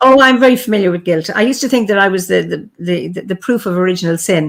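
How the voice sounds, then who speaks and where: A woman at a medium pitch and a very fast pace, her intonation lively. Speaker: online talk show host. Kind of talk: casual conversation. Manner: animated.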